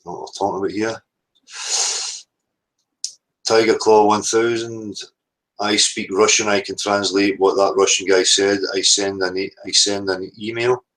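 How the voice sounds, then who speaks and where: Low-pitched Scottish man, casual chat. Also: flat delivery, moderate pace, fairly bright tone, low-quality recording. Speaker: livestream host. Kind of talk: casual chat, reading out live chat.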